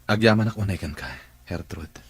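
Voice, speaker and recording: An actor playing a kindly, weakened male employer in an Ilocano radio drama, with a husky voice. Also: fairly low pitch, moderate pace, dry recording. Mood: grateful.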